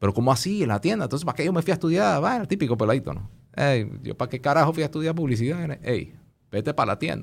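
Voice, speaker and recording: A man's pitch swings very widely. He speaks at a very fast pace. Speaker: advertising entrepreneur. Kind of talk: casual interview. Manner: animated.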